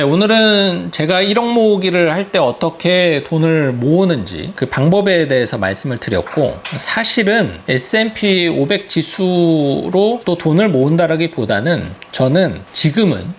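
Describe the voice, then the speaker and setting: Lively, higher-voiced man explaining finances. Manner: conversational, asks and answers his own questions. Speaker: finance YouTuber. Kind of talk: explanatory talk to camera.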